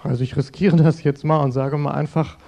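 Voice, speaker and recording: A man's voice: on the high side, steady tone, a little fast, vocal fry, muffled recording. A middle-aged man speaking as a Christian in an earnest, conversational sermon, addressing the listeners directly. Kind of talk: sermon-style talk.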